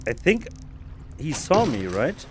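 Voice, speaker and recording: A podcast host live-streams a stealth game, musing to himself and chatting casually with viewers while often restarting his sentences. His slightly high voice swoops wildly in pitch at a slow pace, with background noise present.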